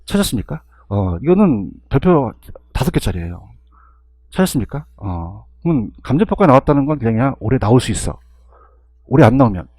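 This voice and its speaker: A man with a husky voice giving an exam-review lecture, constantly firing rhetorical questions and checking in with his students. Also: medium pitch, big pitch swings, brisk, mellow, no echo.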